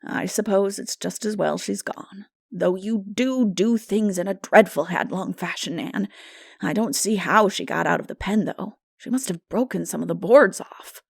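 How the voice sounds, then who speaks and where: Lady doing a stern older guardian woman from a storybook, brisk and scolding, no-nonsense, dry close sound. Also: mid-range voice, vocal fry, breathy edge, no echo. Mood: resigned. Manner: brisk, scolding, matter-of-fact. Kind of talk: dramatic audiobook character voice.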